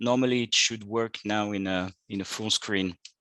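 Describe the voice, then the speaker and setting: A man with a French accent speaks in a fairly low register, his intonation fairly even and his tone bright and sharp. The sound is dry and close, with no echo. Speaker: urban ecologist. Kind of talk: online lecture. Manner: halting, many fillers and repetitions.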